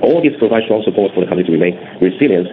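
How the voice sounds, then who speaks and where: Man, low voice, quick pace, scripted corporate results presentation, phone-band audio with faint noise. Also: expressive, phone-quality sound. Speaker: company finance executive presenting results.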